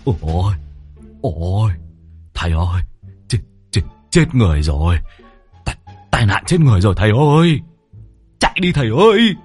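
A man's voice: fairly low pitch, very animated, moderate pace, pauses often, slightly rough, faint music behind. A man voicing a panicky young rascal who cries out in alarm. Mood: panicked. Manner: panicky, exclaiming.

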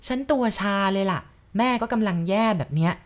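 A woman's voice: mid-range voice, lively intonation, fairly quick, lightly acted. Woman doing an anxious young village woman.

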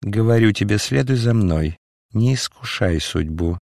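Man doing calm, mocking Melchior. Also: fairly low pitch, unhurried, creaky, no room sound, clean studio sound. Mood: calm, knowing. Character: mysterious calm eastern man, sardonic, speaks in riddles.

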